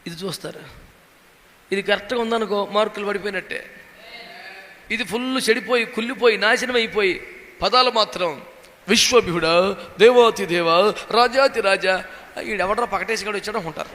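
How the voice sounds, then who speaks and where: A man's voice: sits high, fairly quick, long pauses, pushed and bright. A man preaching a sermon as a pastor, dramatically acting out the voices he quotes. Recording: long hall reverb.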